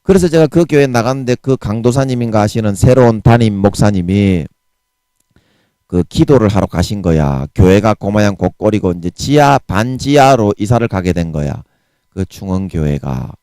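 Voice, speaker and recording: A man's voice: fairly low pitch, animated, normal speed, mellow, smooth, dry recording. A man in his forties with a Gyeongsang Korean accent, preaching a sermon in a fiery, blunt way laced with harsh curses. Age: 40s.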